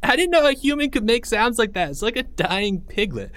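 A man voicing a gleeful, mocking schoolboy in a storybook, excitable and jeering. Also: high-pitched, normal speed, husky, no room sound, voice pushed up, exaggerated voice.

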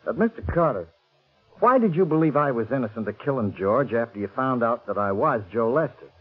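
A weary American ex-fugitive in a 1940s radio play, speaking earnestly. His voice is rough-edged and the recording is dull and narrow. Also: mid-range voice, animated, a little fast, faint music behind. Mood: puzzled. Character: weary, relieved male escaped convict, now reformed. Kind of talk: 1940s radio drama acting.

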